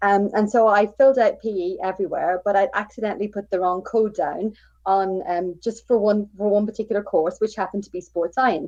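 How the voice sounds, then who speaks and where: A woman's medium-pitched voice with an Irish accent, fairly quick and fairly even in intonation. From Ireland. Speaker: sports physiology professor. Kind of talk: interview.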